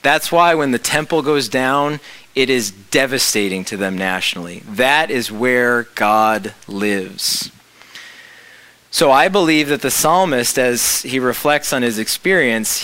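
A man's voice: mid-range voice, animated, unhurried, bright, forceful tone, no room sound, rough recording. A man preaching a reflective sermon, explaining scripture with rhetorical questions.

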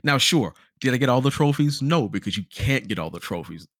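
A man co-hosting a podcast, giving a casual game review in an animated storytelling way, acting out reactions. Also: medium pitch, fairly quick, no echo, clean studio sound. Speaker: podcast host.

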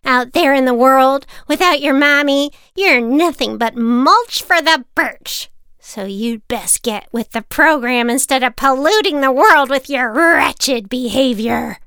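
A woman's voice: sits high, unhurried, bright, forceful tone, clear, resonant tone, no room sound, studio quality, voice pushed up, exaggerated voice. Woman doing a scornful old crone, the Shears. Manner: scornful, snappish, lecturing.

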